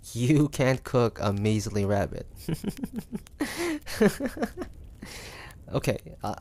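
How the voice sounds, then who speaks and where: A man playing a proud, wary, sardonic hunter from the 1850s in an intimate audio drama, halting and full of breathy sighs. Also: fairly low pitch, a little mellow, full character voice. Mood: amused, teasing. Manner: halting, breathy sighs, indignant then grudging.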